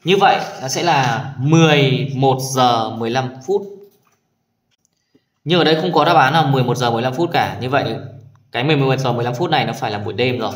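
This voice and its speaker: A man's voice: mid-range voice, quick pace. Patient male math teacher, echoey room. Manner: patient, addresses pupils warmly with tag questions. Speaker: primary school math teacher. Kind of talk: explaining exercises in a video lesson.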